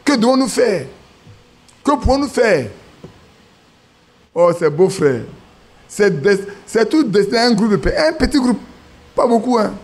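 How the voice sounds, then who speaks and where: A man's voice: sits high, very animated, a little slow, pauses often. A man preaching a sermon, telling stories and acting out quotes. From Ivory Coast. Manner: storytelling with acted quotes, restarts.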